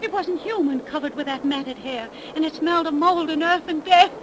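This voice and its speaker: Woman acting high, frightened young radio heroine. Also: a little fast, lightly acted. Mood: shaken. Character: earnest, frightened young woman, haunted heiress. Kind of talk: 1930s radio melodrama acting. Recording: noisy 1930s radio broadcast recording.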